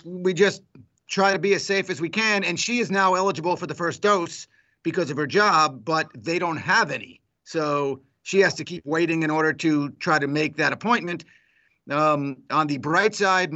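Man, radio host, rambling chat, bright tense voice, slightly high. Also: normal speed, highs cut off. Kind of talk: casual podcast chat.

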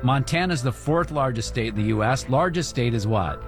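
A man's voice: mid-range voice, lively intonation, normal speed, music in the background. A man hosting a morning radio show, reading quiz questions and joking with his co-hosts. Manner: joking, playful.

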